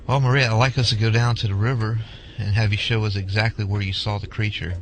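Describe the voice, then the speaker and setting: A man's voice: fairly low pitch, level tone, quick pace, a little hiss or hum, lightly acted, low-quality recording. A man playing a polite, methodical field researcher in an amateur audio drama, asking questions in a businesslike, courteous way. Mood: polite, inquiring. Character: polite, methodical male Bigfoot researcher leading an interview.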